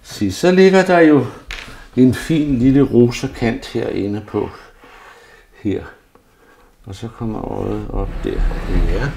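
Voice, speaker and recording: A man's voice: medium pitch, gravelly, noisy background. A man who is an artist, thinking aloud as he demonstrates a pastel drawing, rambling and often murmuring to himself. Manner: rambling, self-murmuring, often drops to a near mutter.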